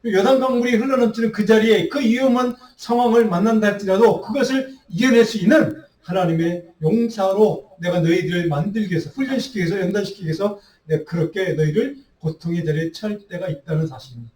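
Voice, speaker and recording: A man's voice: sits high, quick pace, hardly any pauses, a little mellow. A male pastor preaching a midweek Bible study sermon, earnest and full of rhetorical questions. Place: church sanctuary. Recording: roomy echo, voice heard from a distance.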